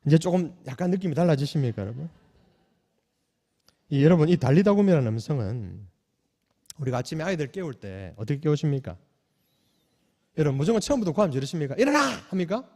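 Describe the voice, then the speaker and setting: A man preaching a sermon as pastor, asking the congregation questions and swinging between loud calls and soft, hushed lines. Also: a little high, big pitch swings, fast, long pauses. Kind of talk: sermon at a night prayer meeting. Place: church sanctuary. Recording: long church hall reverb.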